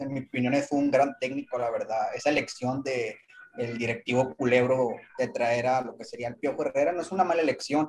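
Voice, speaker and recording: This man has a plain, everyday voice at medium pitch. He talks at a fairly quick pace with fairly even intonation. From Juárez, Nuevo León, Mexico. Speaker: podcast panelist. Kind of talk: casual sports chat.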